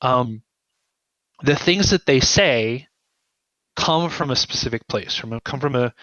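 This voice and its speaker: Man, guest writer, bright tone, conversational, thoughtful stop-start delivery, dry slightly dull recording. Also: mid-range voice, animated, no echo. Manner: thoughtful, halting, often checks with "right?". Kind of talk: conversational interview, explaining ideas.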